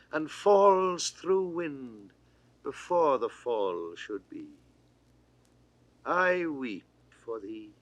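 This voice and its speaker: A man's voice: on the high side, fairly bright tone, no echo, poor audio. An older man reading classical verse in a declamatory style, lingering on words and swooping up and down. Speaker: poetry reader. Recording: dry 1960s studio recording.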